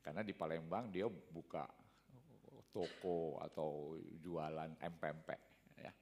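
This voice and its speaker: A man's voice: extremely low pitch, steady tone, a little mellow, a little hiss or hum. An older man telling everyday stories in a casual, rambling talk, often tagging his sentences with a short "ya". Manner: rambling, fills pauses with a tag "ya". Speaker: speaker giving a talk. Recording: long hall reverb.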